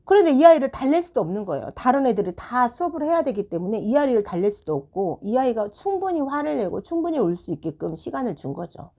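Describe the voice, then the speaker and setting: A woman's voice: fairly high pitch, fast, hardly any pauses. A woman who runs a tutoring room, telling a classroom story in casual advice talk and acting out the dialogue. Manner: animated, acts out classroom dialogue.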